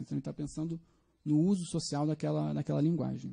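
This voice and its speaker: A man with a fairly high pitch talks at a fairly quick pace in a somewhat breathy voice. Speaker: doctoral researcher. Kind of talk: academic conference presentation. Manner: fast; halting, many repetitions.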